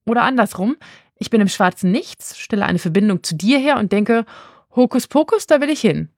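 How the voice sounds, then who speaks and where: A woman voicing a frightened young girl lost in the dark, anxious at first and then excited and chatty. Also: mid-range voice, a little fast, no echo, clean studio sound.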